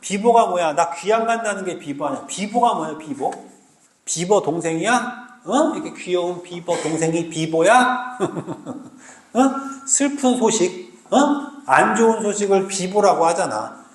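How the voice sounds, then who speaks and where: A man teaching a Korean literature class live, lively and slangy, often checking whether students understand. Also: high-pitched, unhurried, roomy sound, poor audio. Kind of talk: classroom lecture.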